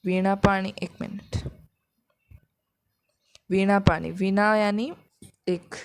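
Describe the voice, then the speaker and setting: A woman's voice: medium pitch, fairly even intonation, slow pace, no room sound. A woman teaching a grammar lesson, patiently repeating each example and explaining it step by step.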